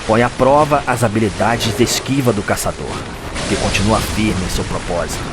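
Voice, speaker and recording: A Brazilian man delivering a solemn, theatrical scripted narration in the manner of a suspenseful audio drama. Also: fairly low pitch. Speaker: narrator of a video game lore audio drama. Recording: music under the voice. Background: background music.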